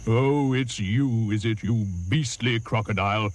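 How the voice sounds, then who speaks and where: A man voicing a big, indignant male elephant with loud, drawn-out scolding. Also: fairly low pitch, natural voice.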